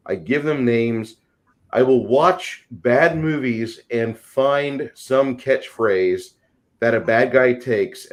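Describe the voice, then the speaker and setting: A man speaking casually and at length as a panelist, opinionated and emphatic in the way he explains things. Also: mid-range voice. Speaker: panelist and game master. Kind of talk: casual discussion.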